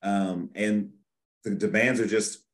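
Male podcast host, low voice, loose rambling delivery, casual episode recap. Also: steady tone, slow. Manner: rambling, with frequent restarts and fillers.

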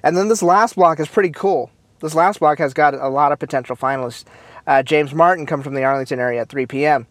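A man hosting a casual talk show, chatty and upbeat, with many fillers, restarts and quick asides. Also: on the high side, no echo. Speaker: host. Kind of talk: casual chat about marching bands.

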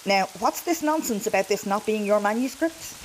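A woman's voice: mid-range voice, lively intonation, moderate pace, slight background noise, lightly acted, poor audio. A woman playing a cheeky, evasive time traveller in an audio comedy, flippant, colloquial and breezily blunt. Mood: breezy. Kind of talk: comedy audio drama acting.

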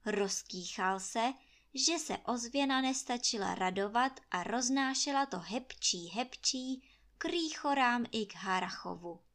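Woman reading a fairy tale aloud. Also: on the high side. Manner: lively, expressive storytelling. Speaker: storyteller.

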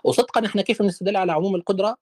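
Guy talking super fast, kinda high voice, dry sound, lots of rhetorical questions. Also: no room sound. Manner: animated, rapid-fire rhetorical questions. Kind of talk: casual online debate.

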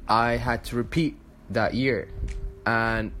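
A man's voice: mid-range voice, steady tone, slow pace, a bit bright, faint music behind. A man in his twenties from the United Arab Emirates, talking casually to camera with lots of fillers and restarts. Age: 20s. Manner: rambling, filler-heavy, restarts often. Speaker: vlogger.

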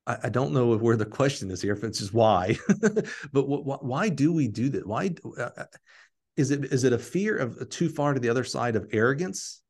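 A man's voice: mid-range voice, animated, a little mellow. A man hosting a podcast interview, talking casually with frequent restarts and filler words. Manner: rambling, halting with many restarts. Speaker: podcast host.

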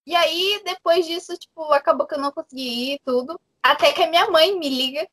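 A young woman tells a story in casual chat. Her voice sits high and sounds bright and clear. She talks in an animated way, full of fillers. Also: brisk. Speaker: guest.

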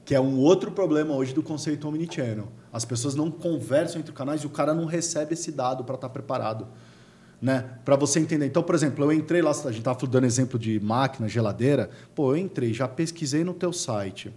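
Animated man explaining business. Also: mid-range voice, fairly quick. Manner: animated storyteller acting out dialogues. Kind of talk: casual chat.

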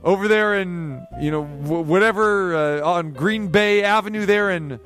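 A man's voice: sits high, normal speed, fairly bright tone, soft background music. A man hosting a sports radio show, chatting casually and teasing his guest, with many restarts.

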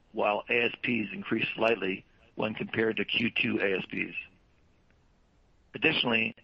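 A man presenting as a company executive, reading prepared earnings call remarks in a formal, measured way. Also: lowish voice, creaky, husky, dry recording, highs cut off. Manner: formal, measured read-out delivery.

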